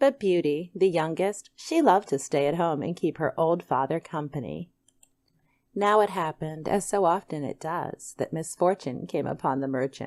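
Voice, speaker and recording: A woman with an ordinary speaking voice talks at a moderate pace, her fairly low pitch showing ordinary variation. The sound is dry and close with no echo, over a quiet background. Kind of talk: bedtime story narration, ASMR-style storytelling. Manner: calm, relaxed storytelling pace.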